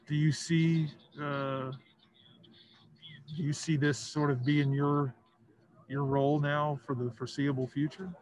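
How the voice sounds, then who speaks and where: A man, a sports reporter, asking slow, hesitant questions with many fillers at a press conference. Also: a little high, flat delivery, a little mellow, a little hiss or hum.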